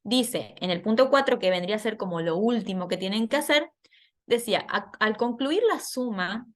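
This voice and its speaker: A woman's voice: mid-range voice, animated, normal speed. A woman patiently explaining a scoring worksheet to students in an online class, laughing at herself now and then. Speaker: teacher.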